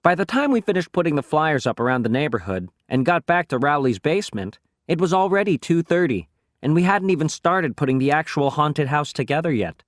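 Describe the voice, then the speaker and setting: A man reading a first-person children's story aloud as an audiobook narrator, telling it in an expressive, boyish voice. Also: on the high side, a little fast, dry recording, clean studio sound.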